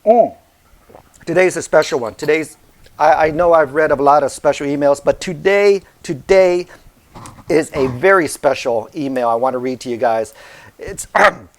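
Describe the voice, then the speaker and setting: Chatty male car-repair vlogger, higher voice. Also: normal speed. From United States, Southern California. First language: Vietnamese heritage speaker, fluent in English. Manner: chatty, checks in with listeners by asking "okay?" and "right?". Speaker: car repair channel host. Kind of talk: casual how-to vlog talk.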